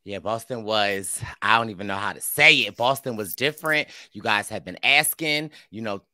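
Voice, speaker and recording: A man hosting a casual podcast chat, playful and quick to laugh, his voice a bit raspy this week. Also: fairly low pitch, no room sound. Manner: lively, laughing, playful teasing. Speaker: podcast host.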